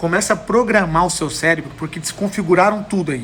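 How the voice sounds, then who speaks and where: His voice high, bright and sharp, a man speaks in an animated tone. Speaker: digital marketing coach. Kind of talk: motivational livestream talk. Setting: live stream.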